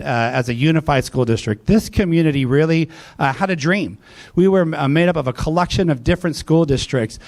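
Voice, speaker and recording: A man's voice: on the high side, a little mellow. A man, a school district leader, giving a speech into a mic at a live event, full of fillers and restarts. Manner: hesitant with many fillers and restarts. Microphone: handheld or podium mic.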